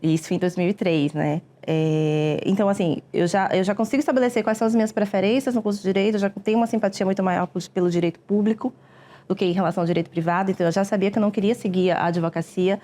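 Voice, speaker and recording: A woman, a public defender answering interview questions in a measured, explanatory way with frequent hesitations. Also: mid-range voice, fairly even intonation, warm tone. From Brazil.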